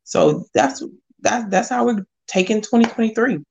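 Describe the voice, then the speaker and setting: A woman guest on a podcast, speaking in a relaxed, plain-spoken casual chat. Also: on the high side, moderate pace, vocal fry, breathy edge. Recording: dull, muffled audio.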